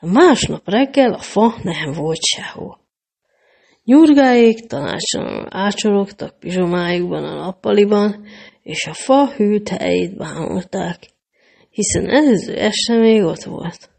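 A woman reading a children's story aloud in an expressive, animated way. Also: mid-range voice, gravelly, breathy edge.

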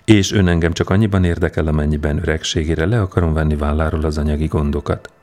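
A man doing a smug, fast-scheming con man, mocking and sure of himself, pitched a little higher and louder than the narrator. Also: steady tone. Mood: sly, mocking. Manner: mocking, self-assured, brisk. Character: cocky young male con man, smooth-talking.

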